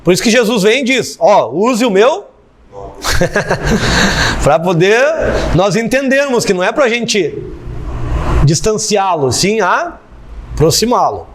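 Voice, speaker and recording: A man's voice: high-pitched, lively intonation, slow, pauses often, a bit bright, slight background noise. A man teaching a theology class, explaining step by step and repeating key phrases for emphasis. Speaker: theology professor. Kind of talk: classroom lecture.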